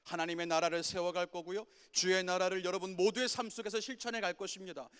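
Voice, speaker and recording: Impassioned preacher in a reverberant church. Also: male voice, steady tone, fast talker, clear, resonant tone. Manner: impassioned preaching, rising to loud commands and dropping low. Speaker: pastor. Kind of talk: sermon. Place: church sanctuary. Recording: church sanctuary with long reverb.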